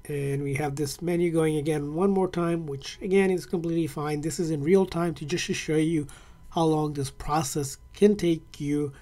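A man's voice: on the high side, steady tone, moderate pace, dark tone. A man hosting a tech tutorial, talking casually through each step with a few fillers while his hands work a tablet at a desk.

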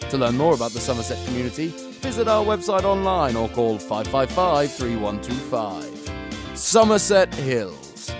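A man's voice: medium pitch, sing-song, moderate pace. A young man voicing a commercial in an upbeat, persuasive announcer style, recorded on a studio microphone. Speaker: voice actor. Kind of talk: commercial voice-over read. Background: faint music.

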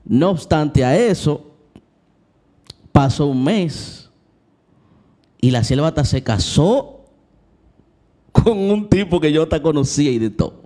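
A man's voice: fairly high pitch, expressive, slow pace, long pauses, mellow. A young man tells a personal story in a vlog. He speaks candidly and confessionally, talking straight to his viewers and acting out the moments he describes. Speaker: Christian vlogger.

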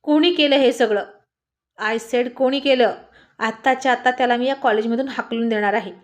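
A woman reading a storybook line as an angry male college principal, shouting and demanding. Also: fairly high pitch, moderate pace, lightly acted. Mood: furious.

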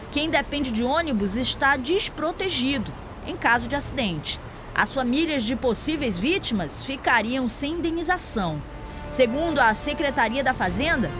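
A woman news reporter with a Brazilian Portuguese accent from Amazonas, reading a scripted voice-over in a measured, informative way. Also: high voice. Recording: voice-over with background music.

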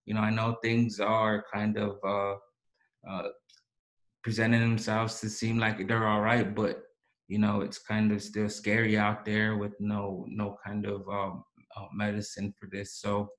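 Low, flat-voiced man hosting a reading. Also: poor audio. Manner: halting, many fillers and restarts. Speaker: poetry reading host. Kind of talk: casual hosting and poetry reading. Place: small indoor room with banner backdrop.

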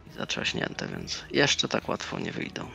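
A man's voice: a little slow, pushed and bright. A man playing a tabletop role-playing game, hesitant and thinking aloud in casual talk. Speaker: player. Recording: music under the voice. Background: background music.

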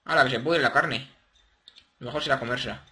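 A man giving casual, excitable gameplay commentary and playfully cooing at his game creatures. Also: mid-range voice, a little fast.

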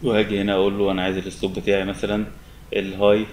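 A young man with an Egyptian Arabic accent giving a relaxed, step-by-step software tutorial at his desk. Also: lowish voice, rapid-fire, slight background noise. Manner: relaxed, step-by-step explaining with many fillers. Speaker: software instructor. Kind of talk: screen-recorded software tutorial.

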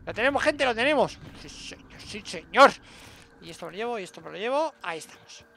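A man's voice: sits high, big pitch swings, a little fast, gravelly, sharp tone. A man with a Spain Spanish accent giving let's-play commentary, muttering to himself and bursting into exclamations, recorded on a desk mic at home. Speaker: gaming streamer.

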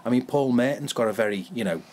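A man's voice: medium pitch, fast, darkish tone, slight background noise. A man from the Wirral with a Merseyside accent, a comedian telling anecdotes in a casual chat, laughing often and restarting his sentences. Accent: Merseyside English. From Wirral, England. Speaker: comedian guest.

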